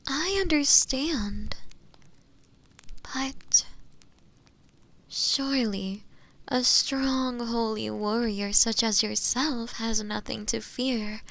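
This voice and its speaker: A woman voicing an imprisoned witch who plays the frightened innocent in a dramatic roleplay, with a breathy, whispery voice and a deliberate, pleading delivery. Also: on the high side, fairly bright tone, exaggerated voice, rough recording. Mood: meek, coaxing. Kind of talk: dramatic roleplay audio acting.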